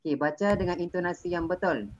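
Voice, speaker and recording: Malaysian woman teacher, low voice, patient and coaxing, online class on a dull call line. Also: quick pace. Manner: patient, coaxing, prompts and corrects pupils. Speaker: primary school teacher.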